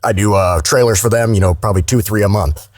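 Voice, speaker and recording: A man's voice: lowish voice, fast, dry recording, clean studio sound. A man with a Southern US accent chatting casually as a podcast guest, folksy, colloquial and salty in his wording. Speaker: guest, voice-over artist.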